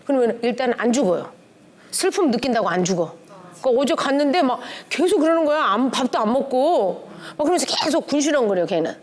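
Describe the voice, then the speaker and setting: A middle-aged woman with a somewhat high voice teaches a church class in a relaxed, conversational way. She keeps things lively, slipping into different tones to act out bits of dialogue. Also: a little fast. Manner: lively, acts out quoted dialogue with shifting tones. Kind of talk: conversational lecture on family relationships.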